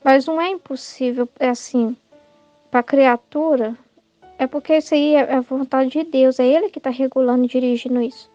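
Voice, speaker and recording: A woman's voice: high-pitched, steady tone, normal speed, mellow, dry recording, highs cut off, faint music behind. A Brazilian woman giving informal Catholic spiritual teaching, talking conversationally, often adding "né?" and acting out quoted thoughts. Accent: Brazilian Portuguese.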